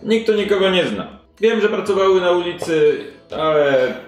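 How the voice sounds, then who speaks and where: A man's voice: high-pitched, expressive, moderate pace. A man voicing a brusque, impatient streetwalker woman in a tabletop game, curt, colloquial and repetitive, haggling as they go. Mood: guarded, haggling. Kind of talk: tabletop role-play in character. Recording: roomy, faint music behind.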